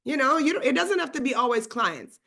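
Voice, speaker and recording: Bright, fast-talking woman trainer. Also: high-pitched, vocal fry. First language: Swedish. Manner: fast, energetic, chatty, many asides. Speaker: real estate trainer. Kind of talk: live online training session.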